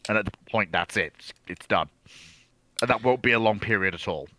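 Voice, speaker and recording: A man's voice: fairly low pitch, a little fast, pushed and bright, dry recording. A man on a discussion panel, explaining off the cuff in a methodical, emphatic way and restating his points. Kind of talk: unscripted expert discussion.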